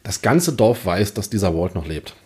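A man's voice: lowish voice, big pitch swings, normal speed, dark tone, slightly rough. A man co-hosting a casual book discussion, talking in a colloquial, questioning way. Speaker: podcast co-host.

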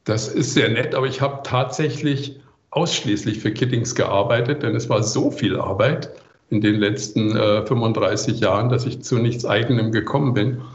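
An older man answers interview questions in a relaxed way, with a fairly low voice. The recording is echoey and slightly muffled, as if he joins remotely from a reflective room. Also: moderate pace. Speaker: composer interviewed as podcast guest.

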